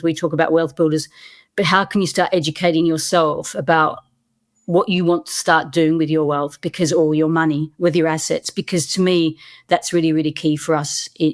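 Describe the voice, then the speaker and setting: A middle-aged woman from Australia with an Australian accent, talking earnestly as an interview guest and often restarting her words. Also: low-pitched. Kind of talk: conversational interview.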